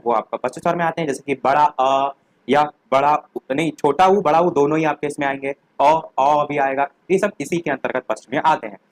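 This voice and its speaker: Male teacher, revision lecture, higher voice, dry close sound, asks and answers own questions. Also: no room sound, poor audio. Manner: explains step by step, asks questions then answers them.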